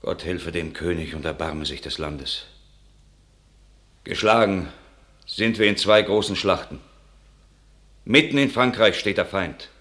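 A man's voice: low-pitched, a bit bright. An actor playing an earnest countryman who bears grave tidings, declaiming in a classical radio play. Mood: alarmed. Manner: grave, declamatory, measured storytelling. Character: earnest countryman bringing grave news of war.

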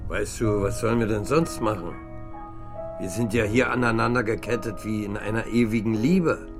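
A man's voice: fairly low pitch, normal speed, music in the background, lightly acted. An actor playing an easygoing, philosophizing, peaceable man in a radio play. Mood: easygoing, musing.

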